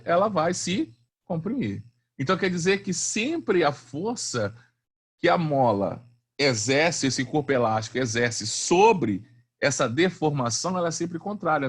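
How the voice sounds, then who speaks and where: A man's voice: a little high, lively intonation, normal speed, slightly rough. A man teaching a physics class online in a chatty, slangy way, often asking the students questions.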